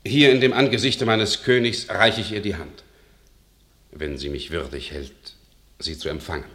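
An actor playing a proud, chivalrous knight and devoted suitor, declaiming formal, earnest verse in a classical radio drama. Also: male voice, sits low, moderate pace, a bit bright. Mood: ardent, solemn.

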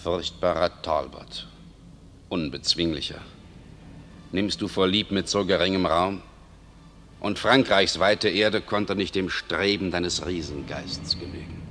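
An actor playing a grave, loyal noble commander in a classic radio drama, speaking in solemn declamation. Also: male voice, low-pitched, measured pace, a bit bright, slight background noise. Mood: awed, mournful. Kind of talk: classic German stage-style radio drama acting.

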